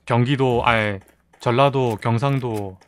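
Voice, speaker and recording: A man's voice: mid-range voice, fairly even intonation, measured pace, a little hiss or hum. Male game streamer, Gyeongsang accent, casual chatter. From South Korea, Busan. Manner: chatty, reads out chat and thanks viewers. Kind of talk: casual live-stream chat while playing.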